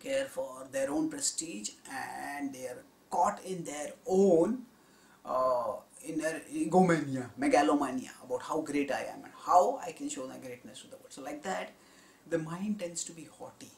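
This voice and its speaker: A man giving a spiritual discourse on scripture, in a measured, explanatory teaching tone. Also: fairly high pitch, expressive, vocal fry. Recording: roomy echo.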